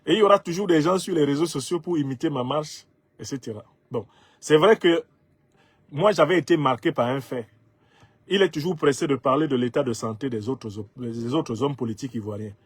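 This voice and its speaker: A man in his fifties from Cameroon whose first language is Bassa, emphatically commenting on viewers' social media comments. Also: brisk, husky, no echo. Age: 50s. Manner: emphatic, rhetorical, laughs at his own jokes.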